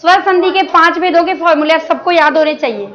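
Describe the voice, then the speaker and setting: A woman's voice: very high voice, quick pace, muffled recording. A woman teaching Hindi grammar to a class with a Rajasthani Hindi accent, explaining step by step, mixing in English words and asking questions she answers herself. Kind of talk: classroom lesson.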